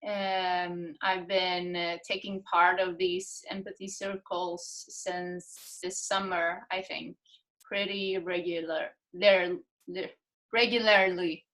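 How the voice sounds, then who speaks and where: A woman from Sweden with a Swedish accent, introducing herself softly and hesitantly. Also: on the low side, level tone, slow pace, low-quality recording.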